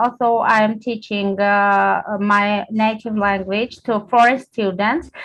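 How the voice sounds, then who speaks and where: Against a quiet background, a woman with a Georgian accent talks at a very slow pace and a fairly high pitch. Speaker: English teacher. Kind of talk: self-introduction on video call. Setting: video call. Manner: halting, many hesitations.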